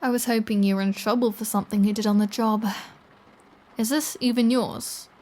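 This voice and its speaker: A woman's voice: a little high, steady tone, fairly quick, a little mellow, lightly acted. A woman playing a flirty, playful vampire with a threatening edge, in a teasing, sardonic ASMR audio roleplay. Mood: teasing, nosy. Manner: teasing, sardonic, lingering delivery. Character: flirty, playful, threatening adult female vampire toying with a hunter. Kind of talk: scripted ASMR audio roleplay, one-sided conversation.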